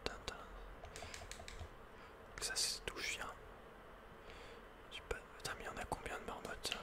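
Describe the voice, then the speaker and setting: A man giving casual, slangy ASMR commentary on a video game, muttering with the odd mild swear word. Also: a little slow. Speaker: ASMR gaming streamer.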